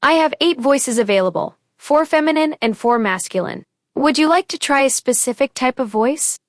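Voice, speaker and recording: A woman's voice: high-pitched, normal speed, dry recording, studio quality. A synthetic female voice assistant answering politely and evenly. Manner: polite, even, helpful phrasing.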